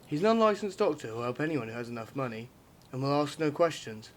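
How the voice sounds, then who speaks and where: Fast-talking, matter-of-fact vigilante ex-cop played by a man. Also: medium pitch, lively intonation, natural voice. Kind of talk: amateur audio drama acting.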